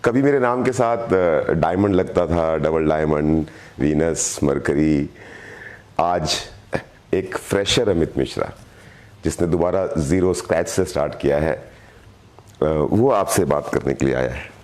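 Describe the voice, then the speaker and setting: Despite a sore, hoarse throat, this middle-aged direct selling team leader delivers an earnest, motivational address over live video. His very deep voice is unhurried and darkish, and he repeats phrases to drive his points home.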